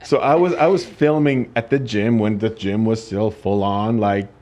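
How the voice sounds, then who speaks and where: A man with a Finnish accent, a fitness trainer and podcast guest, telling a story haltingly with many pauses. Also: lowish voice, warm tone, dull audio, slight background noise. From Finland. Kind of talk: casual interview chat.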